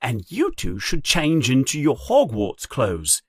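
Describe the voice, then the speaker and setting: A man voicing a bossy know-it-all schoolgirl who talks very fast. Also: mid-range voice, wildly swooping pitch, breathy edge, no room sound, clean studio sound, pitched above the performer's own voice, exaggerated voice. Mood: bossy, eager.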